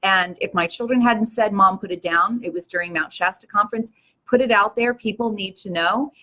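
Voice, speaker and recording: A woman's voice: medium pitch, a little fast, fairly bright tone. An older woman hosting her own show, talking earnestly and with passion to her viewers in a preachy, rousing way. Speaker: show host. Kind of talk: live-stream talk to viewers.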